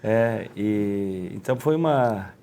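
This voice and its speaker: A middle-aged man with a Gaúcho Brazilian accent, a former footballer talking as an interview guest, rambling and halting with many restarts. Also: fairly low pitch, animated, dark tone. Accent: Gaúcho Brazilian Portuguese. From Rio Grande do Sul, Brazil. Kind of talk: casual interview.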